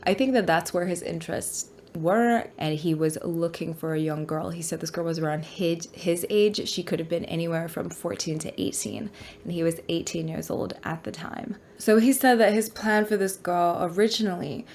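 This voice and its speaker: A woman's voice: on the low side, moderate pace, a little mellow, slight background noise. Stuffy-voiced woman talking true crime. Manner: chatty, frank, with fillers. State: stuffy from a cold. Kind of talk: casual talk to camera.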